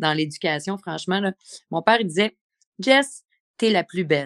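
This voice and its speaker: A woman speaks at a fairly quick pace in a dry, close recording with no echo, very clean and with a silent background. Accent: Quebec. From Quebec, Montreal. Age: 40s. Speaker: sommelier and entrepreneur. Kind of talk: casual interview. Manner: animated.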